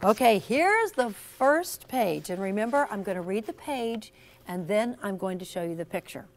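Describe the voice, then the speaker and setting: A woman's voice: mid-range voice, animated, moderate pace. A woman storyteller doing an interactive read-aloud for young children, encouraging and teacherly, with theatrical emphasis. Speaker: storyteller and author. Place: in front of a class of children.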